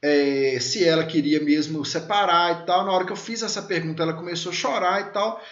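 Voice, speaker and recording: A man's voice: on the high side, brisk. A man in his thirties, a law lecturer, teaching through chatty personal stories with many fillers and questions to his listeners. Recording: echoey, dull lo-fi room sound.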